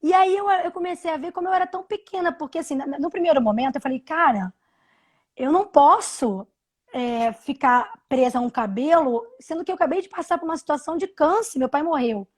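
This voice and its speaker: A woman in her thirties telling a personal story on a live video call, halting, with many restarts and repeated words. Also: high voice, animated. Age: 30s. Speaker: interview guest. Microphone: video call from home.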